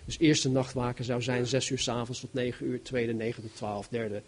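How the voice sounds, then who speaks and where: A man preaching a sermon, reading Bible verses and explaining them in an animated, emphatic way, swinging between loud and soft. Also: medium pitch, normal speed. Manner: animated, emphatic, varies loudness widely.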